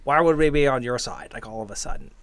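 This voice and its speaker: A man's voice: medium pitch, fast, a bit bright, a little hiss or hum, natural voice. A man voicing a flippant, petulant young female ghost with valley-girl phrasing in a tabletop game. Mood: dismissive.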